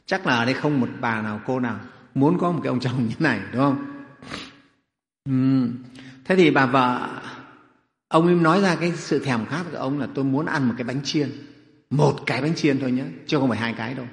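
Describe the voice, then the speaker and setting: A man, a Buddhist monk, telling a story in a sermon with lively rhetorical questions. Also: medium pitch, a little fast. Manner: animated, rhetorical questions, chuckling. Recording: echoey hall.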